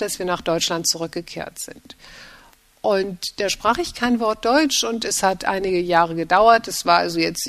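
A woman's voice: fairly low pitch, a bit bright, dry recording. A middle-aged woman translator, native French speaker raised in Germany, speaking in a reflective, conversational way with frequent restarts. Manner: reflective, many restarts and repeated words. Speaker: translator and editor, guest. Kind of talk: thoughtful conversational interview.

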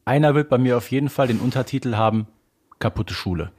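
A man chats as a podcast co-host in a voice of medium pitch. His delivery is casual and conversational, like a discussion between two regulars. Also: fast talker, a little mellow, husky.

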